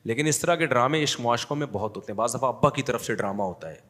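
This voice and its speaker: A man giving a lively storytelling sermon as a cleric, acting out the people in his stories. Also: mid-range voice, in a large hall.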